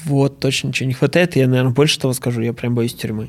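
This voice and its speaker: Very fast-talking man with fairly even intonation. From Moscow, Russia. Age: 30s. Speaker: founder of a children's hiking project. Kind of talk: casual interview conversation.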